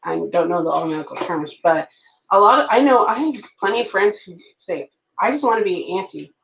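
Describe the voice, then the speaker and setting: A woman's voice: mid-range voice, expressive, fairly quick, gravelly, a bit bright, echoey room, lo-fi sound. A woman in her late thirties chatting loosely with her viewers while journaling at home, reacting to their comments as she goes. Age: late 30s. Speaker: planner vlogger. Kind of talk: rambling live chat while journaling.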